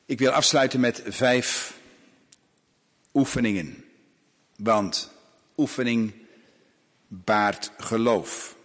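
Male preacher, sermon, very slow delivery, emphatic repetitions, dramatic pauses, long hall echo. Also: mid-range voice, fairly bright tone.

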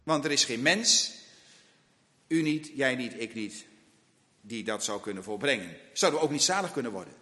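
A man preaching a sermon slowly and emphatically, asking rhetorical questions of his listeners. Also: mid-range voice, animated, pushed and bright, big-room sound.

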